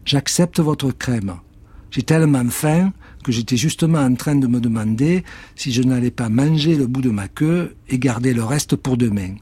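A man's voice: mid-range voice, dark tone, breathy edge, natural voice. A man voicing a cheeky, greedy male house cat who always complains of hunger, in a storybook reading. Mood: grumbling. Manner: complaining, greedy, quick to protest.

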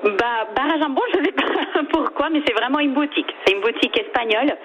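A woman's voice: high voice, a little fast, a bit bright. A woman from Andalusia, a native Spanish speaker with a foreign Spanish accent, chatting as a guest in a radio interview. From Cadiz province, Andalusia, Spain. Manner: foreign accent in French, frequent giggles. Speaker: shop manager, interview guest. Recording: dull lo-fi sound with faint noise.

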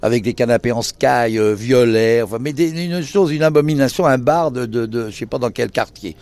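An older man with a gravelly, creaky voice, recounting stories in a lively way and hesitating often. His tone sits at an ordinary middle pitch. He speaks indoors in a small bar lounge. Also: normal speed. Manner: animated, acts out quoted dialogue, many hesitations. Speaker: bar owner. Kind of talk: casual anecdotal storytelling.

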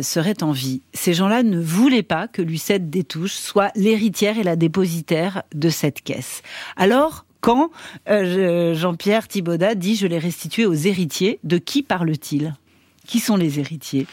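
A woman hosting a radio interview, articulate and leading with clear questions. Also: fairly low pitch, a little mellow, no room sound. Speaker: radio host. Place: radio studio.

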